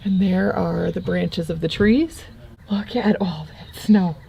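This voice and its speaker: A woman's voice: on the low side, fairly even intonation, slow pace, vocal fry, dark tone. A woman, chatting casually to the camera at home in a rambling, self-correcting way. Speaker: vlogger and homeschooling mother. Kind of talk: casual vlog chat. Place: at home indoors.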